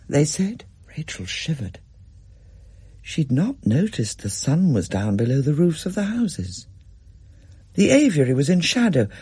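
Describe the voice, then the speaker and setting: A man narrating a scripted story in an expressive, measured way. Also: fairly high pitch, breathy edge, dry recording.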